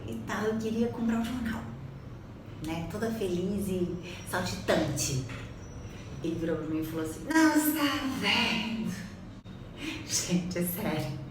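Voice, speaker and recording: A woman's voice: fairly low pitch, unhurried. Chatty Brazilian woman in an echoey room. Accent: Brazilian Portuguese. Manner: animated, chatty, acts out quotes. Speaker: public speaking coach. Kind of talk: casual storytelling to viewers. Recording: echoey room, distant mic, background noise.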